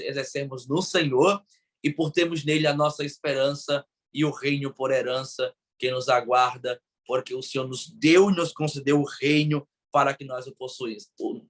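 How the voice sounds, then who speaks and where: Male Brazilian podcast host, enthusiastic and preacherly, slightly high pitch. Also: a bit bright. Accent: Brazilian Portuguese. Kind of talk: Bible study podcast discussion.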